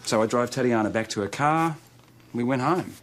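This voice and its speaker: An actor playing a sarcastic, defensive young police constable in a TV drama. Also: male voice, mid-range voice, normal speed, lightly acted. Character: sarcastic young male constable under suspicion.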